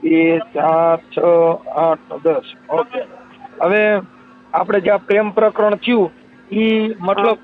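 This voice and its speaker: A host with a Kathiawadi Gujarati accent takes a caller's complaint, questioning informally over the phone and repeating details back to confirm them. His voice is high, steady and slow, with soft background music. The recording is tinny and narrowband, over a telephone line.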